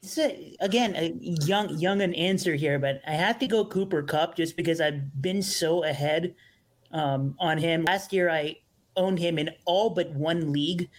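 A young man speaking as a podcast guest, his voice sitting a little high. He talks in a casual, hesitant way, often starting over and leaning on fillers. His tone stays relaxed and conversational. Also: a little slow. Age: young adult. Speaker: podcast guest, fantasy sports analyst. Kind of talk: casual interview chat.

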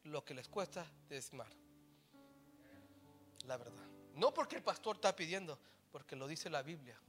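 A man with a Latino Spanish accent preaching a bilingual sermon as a pastor, mixing English into his Spanish and swinging between loud, forceful passages and quiet, low emphasis. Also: expressive, normal speed, soft background music. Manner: switches between Spanish and English mid-sentence.

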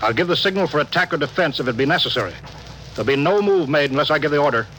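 A man's voice: on the high side, expressive, rapid-fire, fairly bright tone, a little hiss or hum, poor audio. An actor playing a stern, cautious male starship captain in a 1950s radio drama, giving clipped commanding orders.

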